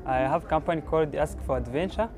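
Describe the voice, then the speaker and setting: A man's voice: fairly high pitch, fast talker, music in the background. A young man from Rwanda, a company owner, speaking hesitantly on a lapel mic.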